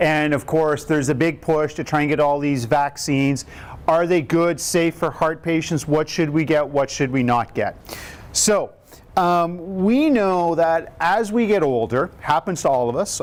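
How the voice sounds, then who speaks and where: This is a plain, everyday voice with lively intonation. It moves at a moderate pace. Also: man. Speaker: health educator for cardiac rehab group. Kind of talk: educational talk with audience Q&A.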